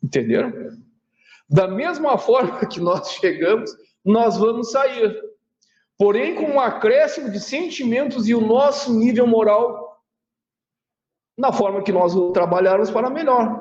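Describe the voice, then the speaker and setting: Pausing long and often, a man talks fairly slowly in an extremely high voice with lively intonation. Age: 60s. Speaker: spiritist lecturer. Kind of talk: sermon. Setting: spiritist center, streamed live.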